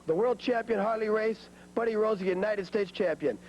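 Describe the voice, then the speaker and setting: A man's voice: sits high, moderate pace. A man giving a boastful wrestling promo as a champion, cocky and emphatic, on an old TV tape. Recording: old TV tape, faint hum.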